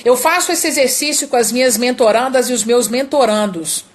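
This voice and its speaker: A woman's voice: a little high, a little fast. A Brazilian woman coaching public speaking in a live lesson, emphatic and repeating key words for stress. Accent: Brazilian Portuguese.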